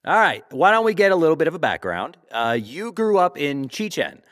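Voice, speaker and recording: Glib, animated talk show host. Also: male voice, fairly high pitch, a little fast. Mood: wry, amused. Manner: wry, theatrical, probing. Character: glib, teasing male talk show host, slick showman. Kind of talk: broadcast interview in sci-fi audio drama.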